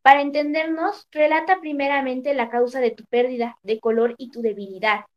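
A woman's voice: high voice, fairly even intonation, normal speed, highs cut off, natural voice. A woman reading the lines of a commanding king who presses his brother with earnest questions, in a storybook tale. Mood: concerned. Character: concerned commanding male king, elder brother.

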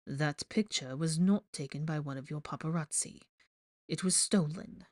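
Icy young male lead , acted by a woman narrator, low-pitched, clipped menace, tightly controlled temper, storybook drama. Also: no echo, studio quality, lightly acted. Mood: controlled threat. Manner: cold, measured, deliberate. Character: angry young man, icy, controlled, threatening.

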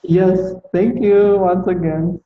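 A man talking over a phone call in a casual conversation, halting and repeating words as he searches for them. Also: sits high, fairly even intonation. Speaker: caller speaking with a Tai Chi teacher. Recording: muffled echoey call line with faint noise.

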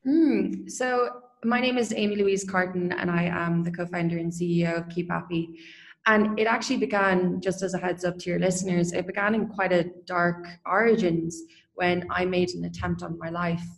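A woman's voice: lowish voice, steady tone, moderate pace, creaky. A young woman speaking as an interview guest, earnest and open, talking freely about her work. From Ireland. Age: young adult. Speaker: guest, company founder. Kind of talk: casual interview talk.

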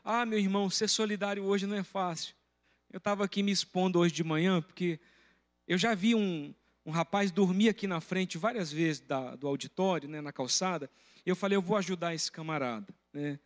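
A high-voiced pastor in his middle years delivers a sermon from the pulpit. He tells stories from his own life and speaks with animated energy. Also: moderate pace. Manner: storytelling, breaks into loud shouting when retelling a confrontation.

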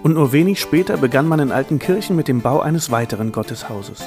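Ein Mann spricht als Erzähler einen vorbereiteten dokumentarischen Text. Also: male voice, mid-range voice, animated, brisk, music in the background. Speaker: narrator. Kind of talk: scripted documentary narration.

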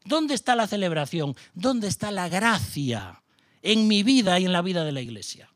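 A man's voice: sits high, sing-song, normal speed, a bit bright, no room sound, clean studio sound. A middle-aged man from Spain preaching a sermon with a Spanish accent, passionate, firing off rhetorical questions and mocking asides. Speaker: pastor.

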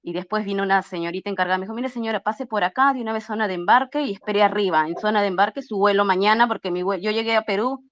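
A woman's voice: mid-range voice, racing, few pauses, no echo. A middle-aged woman, an interview guest telling her story casually and earnestly, acting out the dialogue as she retells it. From Peru. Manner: earnest, acts out dialogue while retelling, frequent restarts. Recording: slightly muffled lo-fi audio.

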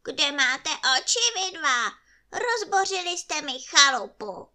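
A woman voicing a grumpy, prickly little male forest imp with a squeaky voice, in bedtime storytelling. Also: expressive, bright, forceful tone, exaggerated voice. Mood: grumbling. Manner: cross, scolding.

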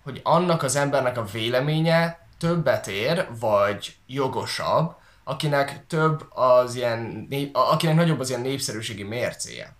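Echoey man, halting casual talk. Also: mid-range voice, animated, a bit bright. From Hungary. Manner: halting, searching for words. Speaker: online video creator and talk co-host. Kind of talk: casual conversational commentary. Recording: echoey room sound.

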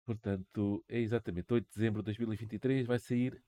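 A man's voice: fairly low pitch, fairly even intonation, fast talker, dark tone. A man with a European Portuguese accent hosting a podcast, jokey and full of colloquial idioms, who asks long winding questions. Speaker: podcast host. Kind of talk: casual interview chat.

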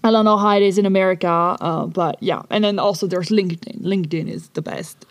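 A woman's voice: on the low side, steady tone, fairly quick, no room sound. Woman, rambling podcast chat, recorded in a closet among dresses, dry close sound. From Paris, France. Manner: chatty, rambling, casually swearing. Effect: recorded inside a clothes closet. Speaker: podcast host. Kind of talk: casual solo podcast chat. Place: small closet packed with dresses and magazines.

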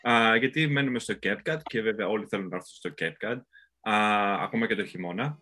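A man's voice: on the low side, pushed and bright. A man co-hosting a casual podcast, joking around and hesitating with many fillers. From Greece. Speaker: podcast co-host. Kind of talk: casual chat. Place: living in the United States. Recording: faint music underneath.

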